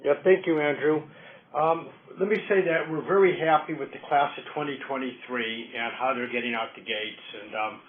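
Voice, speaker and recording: A man speaking as a company executive, answering questions on an earnings call in a measured, formal way. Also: mid-range voice. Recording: roomy, noisy, narrow conference-call line.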